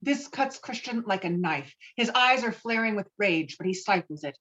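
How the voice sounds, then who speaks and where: A woman's voice: medium pitch, expressive, moderate pace, a bit bright, lo-fi sound. A woman reading stage directions as the narrator of a dramatic script.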